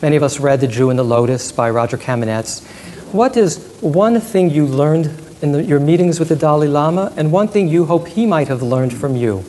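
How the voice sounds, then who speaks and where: A man asking an interview guest measured, thoughtful questions. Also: a little high, expressive, mellow, a little hiss or hum.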